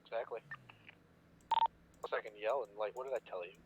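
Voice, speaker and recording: A man's voice: lowish voice, fairly quick, background noise. A man playing a police officer who calls in over the radio in a role-play, using terse codes. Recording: dull, muffled radio sound.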